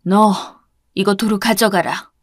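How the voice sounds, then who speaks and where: A woman's voice: medium pitch, steady tone, slow pace, no echo, clean studio sound. A woman voicing a haughty, furious middle-aged future mother-in-law who berates with contempt. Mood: contemptuous. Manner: contemptuous, shouting.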